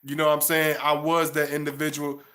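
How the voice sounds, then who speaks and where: Man with a flat, even voice. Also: a little high, fairly quick. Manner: rambling, restarts often, "you know what I'm saying". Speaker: channel host. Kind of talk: casual monologue to viewers.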